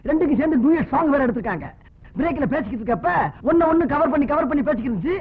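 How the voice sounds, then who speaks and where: A man's voice: very high-pitched, animated, racing, narrow, tinny audio. A man in a Tamil film comedy, asking teasing, wheedling questions.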